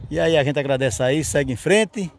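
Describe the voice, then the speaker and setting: Higher-voiced Northeastern Brazilian man hosting outdoors. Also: normal speed, creaky. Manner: repeats stock catchphrases, addresses people familiarly. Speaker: host, market reporter. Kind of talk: casual on-location vlog commentary and interviewing. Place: outdoor dirt-lot livestock market with trucks.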